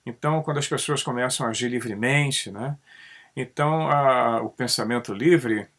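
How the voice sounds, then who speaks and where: A man talks in a loose, conversational monologue, his voice sitting at a middling pitch. He keeps checking in with a questioning "né" and his delivery rises and dips animatedly as he goes. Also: normal speed. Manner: conversational, tags sentences with "né?"; animated, pitch rising and dropping often. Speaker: channel host. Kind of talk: casual monologue on ufology.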